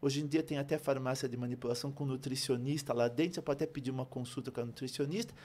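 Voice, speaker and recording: A man's voice: mid-range voice, steady tone, racing, a little mellow. A man with a Brazilian accent speaking as a pharmacist guest on a health podcast, explaining in a didactic way with repeated phrases and rhetorical questions. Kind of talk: animated explanatory podcast talk.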